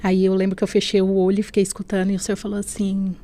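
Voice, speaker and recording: Woman, podcast guest, heartfelt faith testimony, recreates remembered dialogue, steady mid-range pitch. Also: racing. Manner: storytelling that acts out remembered dialogue; leans on tag questions and softening fillers. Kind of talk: emotional personal testimony. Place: podcast studio.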